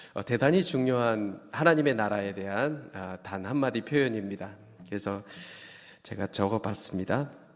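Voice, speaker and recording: Ordinary pitch variation at a moderate pace from a man with a fairly low voice. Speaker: preacher. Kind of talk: sermon. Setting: church. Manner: hesitant with frequent fillers.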